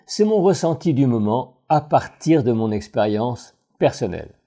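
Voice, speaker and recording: Dark-voiced male voice coach. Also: medium pitch, creaky. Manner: measured, analytical, expressive phrasing. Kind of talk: scripted voice-over analysis.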